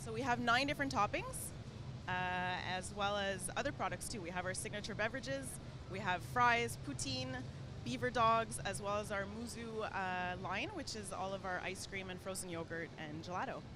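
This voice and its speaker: Moderate-paced speech with a dry, echo-free sound and noticeable background noise. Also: woman. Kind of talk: interview answer. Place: hall. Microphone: handheld.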